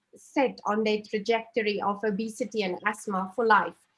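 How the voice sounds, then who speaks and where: A woman speaks in a South African accent. Her pitch is fairly high and her pace moderate. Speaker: dietitian and allergy researcher. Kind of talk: podcast interview.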